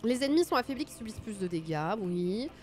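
A woman's voice: medium pitch, big pitch swings, quick pace, a little mellow, soft background music. A woman streaming a video game with casual, self-mocking commentary, her nose stuffy from a cold. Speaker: gaming streamer.

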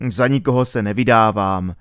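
A man voicing a calm adult spaceship captain who speaks in a reassuring, measured way. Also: on the low side, clean tone, no echo, clean studio sound, voice pushed down, natural voice.

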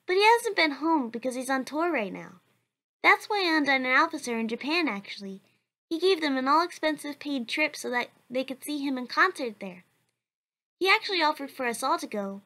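A woman's voice: high voice, expressive, moderate pace, pushed and bright, exaggerated voice. A woman voicing a kind, cheerful, determined young child in a cartoon comic dub, with an earnest, chatty manner. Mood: upbeat, chatty.

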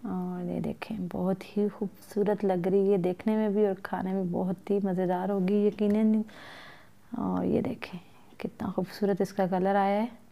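Woman calmly walking viewers through a recipe. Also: medium pitch. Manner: calm, instructive, addresses viewers directly. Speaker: cooking vlogger. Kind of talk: step-by-step cooking narration. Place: home kitchen at the stove.

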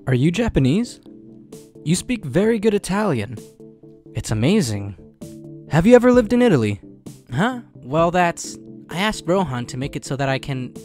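A man's voice: fairly high pitch, darkish tone. A man voicing a polite, earnest, easily flustered teenage boy in a comic fan dub. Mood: flustered, wary. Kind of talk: fan-dub narration and dialogue. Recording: music behind the voice.

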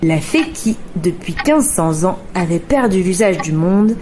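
A woman narrating a children's tale in a calm, expressive storybook reading. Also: fairly low pitch, measured pace, a little hiss or hum. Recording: radio studio with music bed.

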